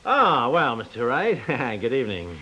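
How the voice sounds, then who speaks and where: A sputtering, skeptical husband in a 1950s radio comedy. His mid-pitched voice rises and falls sharply as he grumbles his way along. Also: wildly swooping pitch, a little slow, bright, forceful tone, highs cut off, exaggerated voice. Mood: awkwardly polite. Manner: sputtering, exasperated.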